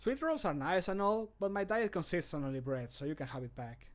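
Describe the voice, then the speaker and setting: A man voicing a polite but dismissive video game character, measured, starting sing-song and falling away. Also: high voice, expressive. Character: game character politely turning down a sweet roll. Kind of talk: video game voice line acting.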